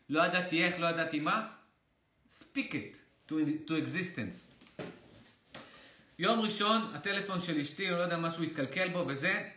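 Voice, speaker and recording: A man with a bright, tense, slightly high voice tells a personal story straight to his viewers. He gets animated and excitable, with excited outbursts and the odd swear. The room around him has a noticeable echo. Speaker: motivational creator. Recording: echoey room.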